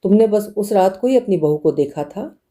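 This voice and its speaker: A woman's voice: medium pitch, expressive, normal speed, pitched above the performer's own voice, lightly acted. Woman doing a doting society lady. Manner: warm doting reassurance. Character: affectionate, fussing married society lady.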